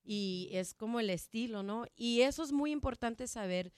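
Lady explaining her jazz program in spanish, english is her first language, keeps restarting, smooth voice. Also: a little high, a little mellow, no room sound, studio quality. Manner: halting, many restarts and fillers. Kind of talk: casual interview.

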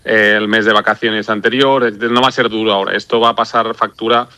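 A man's voice: on the low side, fairly even intonation, fast, pushed and bright, no echo. A man on a sports radio panel, confident and firm in his predictions.

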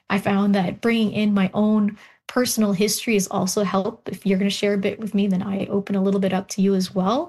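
A woman historian speaks as an interview guest, recounting family stories with animation. She talks openly and laughs easily, her voice at a middle pitch. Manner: warm, animated storytelling, laughs often.

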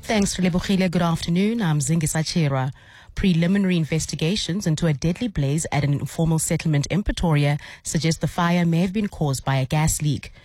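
A man reading a radio news bulletin in a measured, formal way. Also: fairly high pitch, a little mellow, no echo. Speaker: newsreader.

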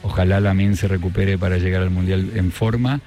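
A middle-aged man from Argentina with an Argentine Spanish accent, chatting as an interview guest and often pausing and restarting his sentences. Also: deep voice, fairly even intonation, mellow, soft background music. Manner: hesitant, many restarts and fillers. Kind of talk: casual interview chat.

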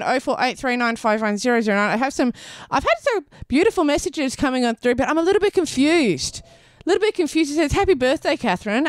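Australian woman, 30s, community radio host; lively, self-mocking delivery, dry close mic. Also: sits high, clear, resonant tone, dry recording. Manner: playful, self-mocking, laughs often. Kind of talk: community radio chat and weather read. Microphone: studio microphone.

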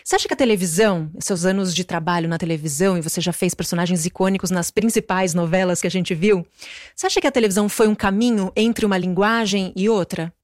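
A woman's voice: lowish voice, steady tone, fast, dry recording, studio quality. A woman interviewing an actress for a TV channel, asking enthusiastic, admiring questions. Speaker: interviewer, TV presenter.

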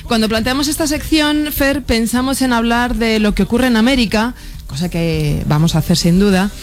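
A woman's voice: on the high side, normal speed, faint music behind. A woman hosting a radio talk show in a studio, conversational presenting. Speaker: radio host.

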